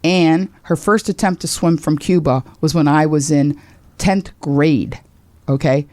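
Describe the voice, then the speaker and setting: A woman in her sixties, a radio talk host, telling a personal story as a guest, exclaiming loudly and acting out quotes with big leaps in pitch. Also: steady tone, unhurried, no echo.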